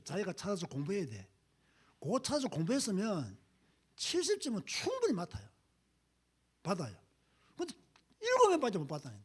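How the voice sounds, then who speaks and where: Husky, animated preaching man. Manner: emphatic, swings from low asides to loud exhortation. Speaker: pastor. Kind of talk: sermon.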